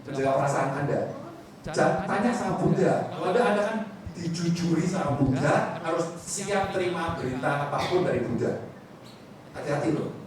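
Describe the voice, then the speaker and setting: A man's voice: fairly high pitch, moderate pace. Teasing male preacher in an echoey hall. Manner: teasing, lively storytelling with asides to the audience. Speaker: Buddhist preacher. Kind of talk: sermon. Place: large hall with an audience. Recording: echoey hall, mic far off, crowd audible.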